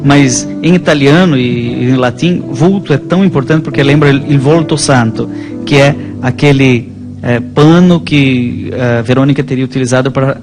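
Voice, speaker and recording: Brazilian guy, priest type, chatty and rambling, mid-pitched voice, music playing behind him. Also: normal speed. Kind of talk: conversational religious storytelling.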